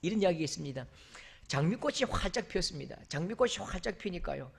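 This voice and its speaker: A male pastor preaching a sermon in a church sanctuary, emphatic, rising to loud exclamations and dropping to soft asides. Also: sits high, expressive, fast, vocal fry, breathy edge.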